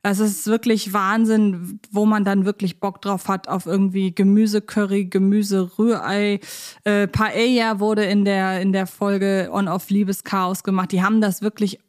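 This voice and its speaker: A woman's voice: medium pitch, flat delivery, normal speed, darkish tone. A woman co-hosting a casual podcast chat, thoughtful and groping for words through long, winding sentences. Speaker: podcast co-host. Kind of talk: casual chat reviewing children's audio dramas.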